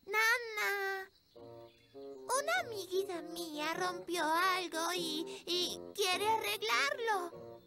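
Little fairy princess girl, very high voice, unhurried, earnest, Latin American Spanish, cartoon. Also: loud music behind the voice, heavily acted. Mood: worried. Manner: childlike, earnest. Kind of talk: children's cartoon dialogue.

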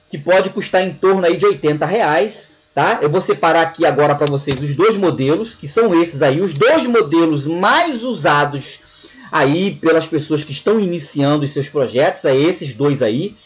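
A man's voice: fairly high pitch, animated, normal speed, muffled recording. A Brazilian man with a Brazilian Portuguese accent giving a casual slide lecture, often checking in with "tá bom?" and "né". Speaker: presenter of an online lecture.

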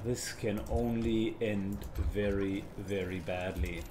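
A man's voice: lowish voice, steady tone, takes it slowly, noisy background. A man giving casual commentary as he plays through a video game. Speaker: let's play commentator.

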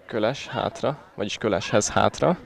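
A man commentates a live football match from beside the pitch. His voice sits a little low and has clear vocal fry. He talks conversationally, dropping in short calls as play moves. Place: outdoors at a small football ground.

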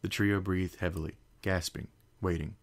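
A man reading a fan fiction story aloud as narrator, in a steady, measured storytelling voice. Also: deep voice, creaky.

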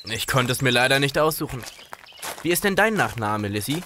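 Man playing a calm, gallant companion, mid-pitched. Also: brisk, very noisy, natural voice. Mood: genial. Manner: reassuring, gently teasing. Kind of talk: audio drama acting.

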